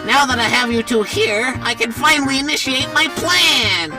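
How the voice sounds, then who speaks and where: A woman's voice: high-pitched, animated, moderate pace. A young woman playing a hammy, scheming male mob boss in an amateur radio play, with old-time gangster slang. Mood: smug, threatening. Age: teens or young adult. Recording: amateur recording with music underneath.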